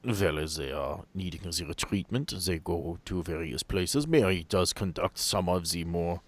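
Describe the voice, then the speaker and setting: A man voicing a measured, detached male asylum doctor who talks in a formal, precise way. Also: sits low, no echo, pitched below the performer's own voice. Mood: clinical.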